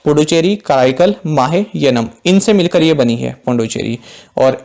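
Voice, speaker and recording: Man teaching current affairs, higher voice. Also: animated, normal speed, creaky, darkish tone. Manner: explains terms plainly, addresses viewers as friends. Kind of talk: exam-prep lesson.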